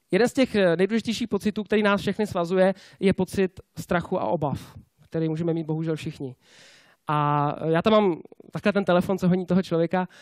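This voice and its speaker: A man with a high-pitched voice delivers a lively motivational sales talk at a conference. He keeps tossing rhetorical questions at the crowd and tags his points with quick checks for agreement. The sound is dry and close. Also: no room sound. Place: conference stage before a live audience.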